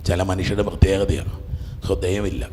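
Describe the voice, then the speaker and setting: A Catholic priest, preaching a fervent call-and-response sermon, repeating phrases, leading the crowd in shouts, and dropping to a hush. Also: male voice, low voice, moderate pace. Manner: repetitive, urges the crowd to shout back, swings from loud to hushed. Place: large church. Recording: echoey church hall with background noise.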